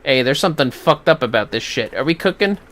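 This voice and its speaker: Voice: medium pitch, lively intonation, fast talker, fairly bright tone. A game streamer giving casual livestream commentary, sweary and irreverent, often muttering to themself.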